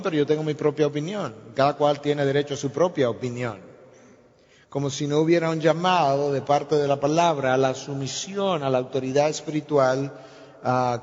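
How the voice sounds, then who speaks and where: A man preaches from a church platform, his fairly high voice trailing off into a long hall reverb. The recording sounds dull and lo-fi. He tells stories and acts out the dialogue in them. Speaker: pastor. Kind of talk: sermon.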